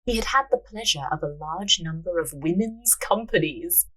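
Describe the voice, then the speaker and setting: Female narrator-host: slightly low, husky, reads fiction and drops into casual banter. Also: lively intonation, moderate pace, a bit bright, poor audio. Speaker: podcast host, writer and narrator.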